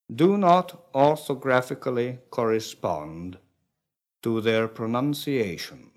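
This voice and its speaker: Very slow, lively-pitched male course narrator. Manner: slow, deliberate dictation with clear pauses. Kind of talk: scripted instructional reading.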